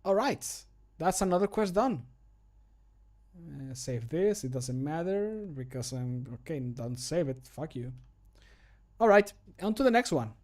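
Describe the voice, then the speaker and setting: A man's voice: a little high, animated, a little slow, darkish tone. A man in his thirties chatting casually on a livestream from a small room at home, joking, commenting on what he does and swearing lightly. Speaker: streamer recording mod voice lines.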